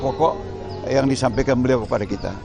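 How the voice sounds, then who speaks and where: Man, formal press statement, measured, deliberate, halting with fillers, mid-pitched voice. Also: vocal fry, over loud music. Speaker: political appointee speaking to press.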